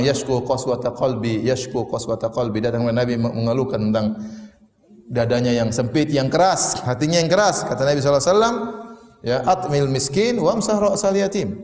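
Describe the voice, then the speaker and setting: A man's voice: medium pitch, a little mellow. A man preaching a sermon, telling humorous stories with acted quotes and rhetorical questions. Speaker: Islamic preacher. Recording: echoey hall with long reverb.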